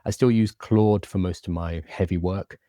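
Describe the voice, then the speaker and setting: Deep-voiced man, lisp, w for r. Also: fairly even intonation, moderate pace, dark tone, dry recording, studio quality. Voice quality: lisp, can't say his R's, says w for r. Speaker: live stream host. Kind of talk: casual live-stream chat, answering viewer comments.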